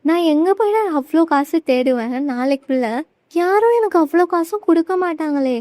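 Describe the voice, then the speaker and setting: A woman's voice: extremely high pitch, animated, moderate pace, mellow, no echo, clean studio sound, voice pushed up. A woman voicing an earnest, alarmed young man protecting his younger brother in a retold drama.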